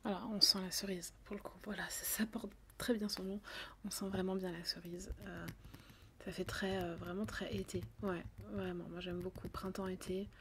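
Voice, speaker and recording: A woman whispers softly and steadily, playing a perfume saleswoman in an ASMR roleplay. Her tone stays level, with little rise and fall. She hesitates often, filling pauses as she goes. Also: lowish voice, level tone, a little hiss or hum. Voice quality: soft whisper. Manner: hesitant, many fillers.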